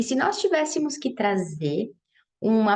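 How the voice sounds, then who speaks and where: A woman with a southern Brazilian accent, fairly high-pitched, with very wide pitch swings and a fairly slow pace. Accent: Gaúcho accent, noticeable. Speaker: integrative therapist and teacher. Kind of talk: spiritual talk in online group meeting.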